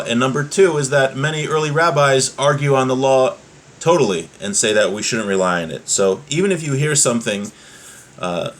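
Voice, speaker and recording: A man giving an informal religious text lesson in an explanatory, often hesitant way, as a teacher of Jewish law. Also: fairly low pitch. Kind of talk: text lesson, reading aloud then translating and explaining.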